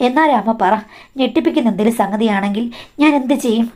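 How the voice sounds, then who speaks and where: A calm, reassuring adult son-in-law from a spoken story, voiced by a woman. The voice sits a little high and speaks in an even, gentle way. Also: fast talker, lightly acted.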